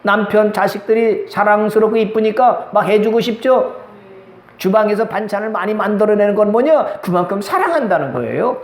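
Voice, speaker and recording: A middle-aged man preaches a sermon in a high, bright-toned voice, asking questions and slipping into the voices of the people he quotes. The sound rings around a reverberant church sanctuary. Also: moderate pace. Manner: call-and-response preaching, acting out quoted voices. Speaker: pastor. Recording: echoey church hall.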